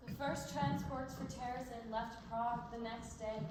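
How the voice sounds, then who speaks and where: A young woman plays a steadfast girl who survived the ghetto, in a stage drama. Her voice is high. It rings through a very echoey hall with clear background noise. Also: steady tone, moderate pace, close to an everyday voice. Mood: somber, remembering. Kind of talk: stage play acting, memoir narration.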